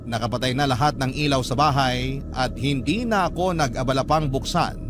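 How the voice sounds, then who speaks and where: A man's voice: medium pitch, a little fast. A man narrating a first-person ghost story in an earnest, confessional way. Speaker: narrator reading a listener's story. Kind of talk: scripted dramatic narration. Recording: music clearly underneath.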